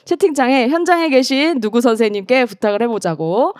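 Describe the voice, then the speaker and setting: Lively woman preaching to teens. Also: a little high, brisk, no echo, clean studio sound. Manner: lively storytelling, acts out scripture quotes; asks the teens questions and calls them by name. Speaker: youth ministry evangelist. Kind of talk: youth sermon over video call.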